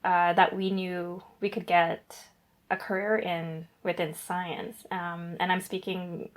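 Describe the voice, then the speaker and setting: Chatty young woman, slightly low voice. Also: level tone, slow. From Guyana. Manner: chatty, rambling with fillers and self-corrections. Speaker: guest researcher. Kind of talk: casual interview answers.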